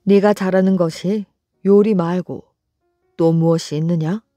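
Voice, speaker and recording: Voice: mid-range voice, steady tone, unhurried, dark tone, dry recording, soft background music, natural voice. A storyteller reading an uneasy old conqueror king. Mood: curious. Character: anxious ruthless conqueror king, older man.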